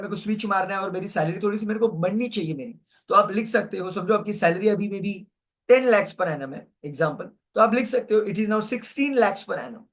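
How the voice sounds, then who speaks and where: Indian guy running an online goal workshop, high voice, upbeat, keeps repeating himself, hindi english mix. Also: a bit bright. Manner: upbeat, repetitive coaching, mixes Hindi and English. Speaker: motivational coach.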